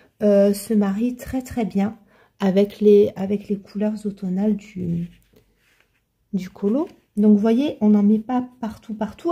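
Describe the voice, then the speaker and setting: Fairly high in pitch, a woman's voice has a dark, mellow tone and is somewhat breathy. She speaks very slowly. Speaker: coloring vlogger. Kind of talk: casual vlog tutorial. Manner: hesitant, many fillers.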